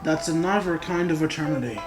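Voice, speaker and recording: A man's voice: on the high side, brisk, music in the background. A man giving casual playthrough commentary as a gaming YouTuber, with informal, self-deprecating asides.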